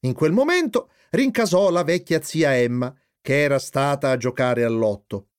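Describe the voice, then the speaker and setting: A man narrating a children's story aloud in an expressive way. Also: on the high side, normal speed, smooth. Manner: lively, expressive.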